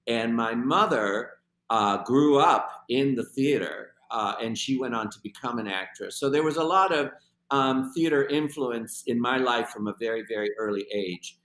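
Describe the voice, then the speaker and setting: A man's voice: medium pitch, normal speed, a bit bright, reverberant, poor audio. A man in his sixties from Argentina, answering interview questions thoughtfully with many hesitations over a webcam call. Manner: reflective, hesitant with many fillers. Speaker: guest, film teacher. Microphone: webcam on video call.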